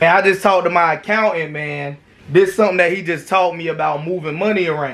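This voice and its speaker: Talking at a very fast pace, a man with a high pitch for a man keeps his intonation fairly even. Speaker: small business owner vlogger. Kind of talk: casual vlog chat. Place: home room. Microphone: phone near.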